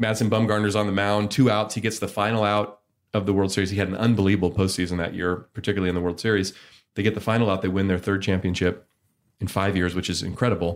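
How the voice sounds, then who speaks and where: The speaker has an American accent and monotone, flat intonation. The pace is very fast. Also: man, fairly low pitch for a man, very clean recording, silent background. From US West Coast, Oakland California. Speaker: author, keynote speaker and former pro baseball player. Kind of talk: interview conversation.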